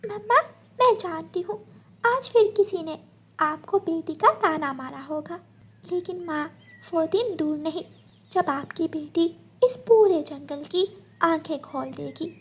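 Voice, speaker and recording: A woman's voice: very high-pitched, measured pace. A woman doing an earnest young sparrow girl. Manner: earnest, determined. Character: devoted young daughter sparrow, Gudiya.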